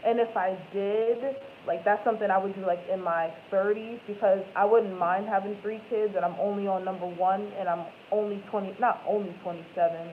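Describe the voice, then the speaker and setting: A woman's voice: medium pitch, fairly even intonation, a little fast, few pauses. A woman in her twenties chatting casually with viewers as host of a live stream, rambling and correcting herself as she goes. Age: 20s. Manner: rambling, self-correcting, lots of "like" and "um". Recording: tinny phone-like audio with faint noise.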